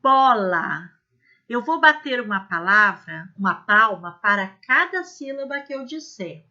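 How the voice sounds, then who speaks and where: A woman teaching how to run early literacy activities, speaking slowly and demonstrating each step clearly. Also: a little high, sing-song, bright, forceful tone, lo-fi sound. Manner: slow, clear, demonstrative teaching with modeled examples. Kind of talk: instructional video lesson.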